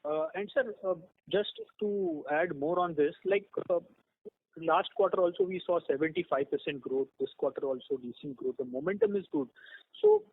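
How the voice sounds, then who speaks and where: A man's voice: high voice, huge pitch swings, moderate pace, gravelly. A man, a financial analyst, politely asking questions on an earnings call and addressing the executives as sir. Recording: tinny phone line.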